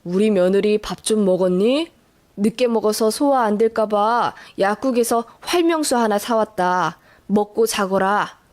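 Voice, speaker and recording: A woman voicing a kind, gentle older father-in-law in a radio drama who speaks softly and slowly. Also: medium pitch, close to an everyday voice. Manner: soft, warm and slow.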